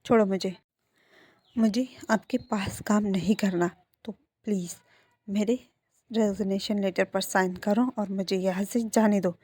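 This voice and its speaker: A woman's voice: mid-range voice, steady tone, a little slow, dark tone, no room sound, studio quality, natural voice. Woman voicing an upset, defiant young man. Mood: defiant angry.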